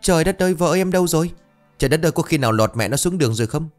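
Bumbling young husband, man voicing him, flustered, blustering, slightly raised pitch, lively swings. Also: brisk, soft background music, lightly acted. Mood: panicked.

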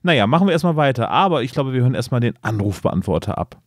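Casting: lockerer männlicher Podcast-Host, witzelnd, mittlere Stimmlage. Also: male voice, medium pitch, fast talker, no echo, clean studio sound. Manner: relaxed, joking, laughs often. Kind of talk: casual podcast chat.

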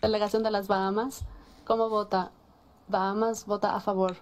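A woman gives formal simultaneous interpretation in a mid-pitched voice. Her delivery is very even and neutral, with a businesslike manner suited to official procedure. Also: moderate pace.

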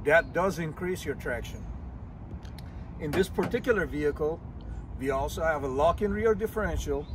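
An older man, a master diagnostic technician, explains car features step by step in a plain, methodical way, making small slips. His voice is fairly high and his speed normal, with background noise. He starts outdoors in a dealership parking lot and then moves inside a car.

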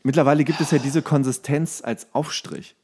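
A man chatting casually as a podcast co-host, telling things in a jokey, animated way. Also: a little high, normal speed, husky. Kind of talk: casual comedic chat.

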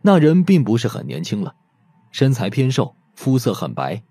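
A man narrating a mystery audiobook in an expressive storytelling manner. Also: mid-range voice, normal speed, husky, dry recording.

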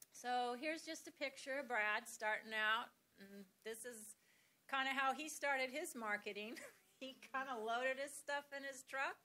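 A woman's voice: on the high side, bright, forceful tone. A woman presenting slides at a farm workshop, talking conversationally with many fillers and restarts.

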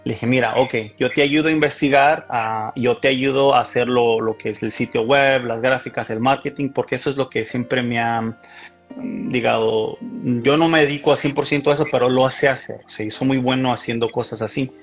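Mexican-accented male guest, gravelly, halting, heard over a video call. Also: mid-range voice, fairly even intonation, faint music behind. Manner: hesitant, many fillers and restarts. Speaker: interview guest, micropigmentation artist. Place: small indoor room.

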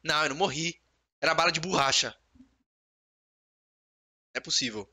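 A man with a Brazilian Portuguese accent giving excitable let's play commentary, swearing often and talking to himself and his viewers. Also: on the high side, normal speed, slightly rough. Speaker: gamer. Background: loud game music.

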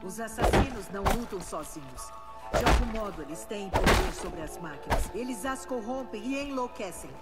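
A woman's voice: medium pitch, animated, moderate pace, close to an everyday voice. A woman playing an elderly, devout tribal matriarch in a dubbed video game, solemn and reverent, with a Brazilian accent. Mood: grave. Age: older. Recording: loud game music behind.

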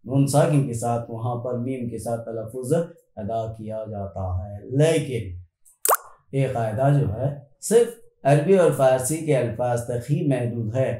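A man teaching an Urdu spelling and pronunciation lesson, explaining slowly and repeating example words one by one. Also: medium pitch, warm tone, echoey room. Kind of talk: spoken grammar lesson.

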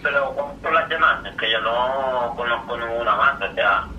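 A man's voice: mid-range voice, normal speed, pushed and bright, distant mic. A man with an accent from Spain, speaking casually over a phone speaker, earnest, apologetic and rambling. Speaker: recipient of a phone call. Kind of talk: casual, emotional phone conversation. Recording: tinny roomy phone speaker, slight noise.

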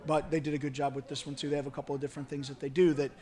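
A middle-aged man, a college soccer head coach, giving measured, halting remarks at a post-match press conference. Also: fairly high pitch, flat delivery, dark tone. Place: indoor press conference room, seated at table. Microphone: handheld-style microphone on table stand.

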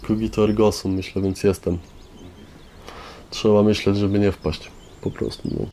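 A young man with a low, mellow voice offers casual advice in plain words. There is faint ambient noise behind him. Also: little pitch movement, normal speed. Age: young adult. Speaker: participant in a youth centre audio documentary.

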